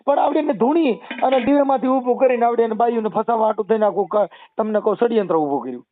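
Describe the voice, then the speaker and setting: A man explaining devotional verses and old history on a phone call, sometimes chanting couplets slowly. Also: extremely high pitch, slight background noise. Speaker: social media personality taking calls. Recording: tinny phone call recording.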